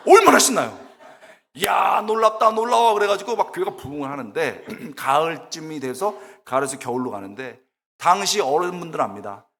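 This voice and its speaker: A middle-aged man preaching a sermon, telling funny stories in an animated, exclamatory way and acting out the people in them. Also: on the high side. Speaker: guest preacher, preaching professor. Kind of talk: sermon with humorous storytelling. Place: church sanctuary. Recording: long church reverb.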